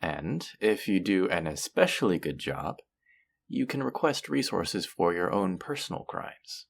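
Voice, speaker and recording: Audio roleplay villain , male actor: courteous, polished supervillain, creaky voice, highly animated intonation, measured and theatrical. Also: full character voice. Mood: businesslike, inviting. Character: suave, pleasant male supervillain interviewing a minion recruit. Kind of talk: scripted roleplay audio drama, conversational monologue.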